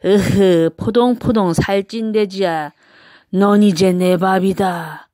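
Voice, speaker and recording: A woman's voice: medium pitch, takes it slowly, dark tone, dry recording, studio quality, close to an everyday voice. Woman voicing a gloating, hungry storybook wolf. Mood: gloating menace. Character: hungry, menacing, gloating male big bad wolf. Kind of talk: children's storybook read-aloud.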